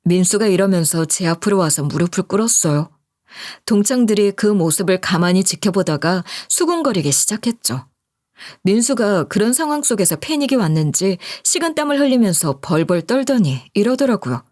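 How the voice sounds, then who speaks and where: A woman's voice: mid-range voice, very animated, normal speed, a little mellow, no room sound, studio quality. A woman narrating a story radio tale expressively in the first person.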